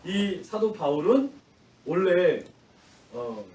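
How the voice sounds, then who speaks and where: A high-pitched male pastor gives a lively children's sermon, throwing questions at the kids and acting out the shouts of angry crowds. He stands some distance from the microphone, so his voice rings through a roomy church sanctuary. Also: slow. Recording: roomy echo from off-mic.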